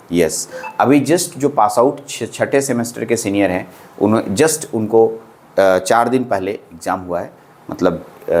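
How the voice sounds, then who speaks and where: A man in his thirties with a fairly low voice, giving a polytechnic lecture on microcontrollers. He talks in a loose, chatty way, repeats himself for emphasis and keeps checking in with "theek hai". His tone stays reassuring. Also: darkish tone. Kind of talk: classroom lecture in casual Hindi with English terms.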